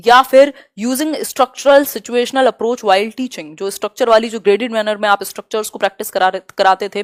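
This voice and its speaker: A woman teaching an exam-prep lesson live, reading questions aloud slowly and chatting with viewers as she explains. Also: a little high, no echo, clean studio sound. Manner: chatty, answers viewers' comments.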